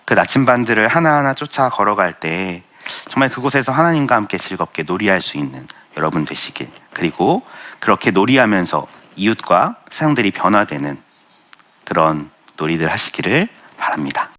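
Earnest young man giving a bright testimony. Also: lowish voice, very animated, a little fast. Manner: earnest, self-deprecating storytelling with light laughs. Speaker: Christian speaker sharing testimony. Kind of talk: testimony talk with audience Q and A.

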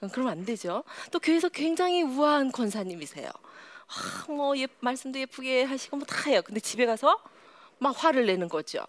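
A woman giving a lively psychology lecture to a live audience, sometimes dropping to a whisper. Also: high-pitched, a little fast. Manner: animated, often drops to a whisper.

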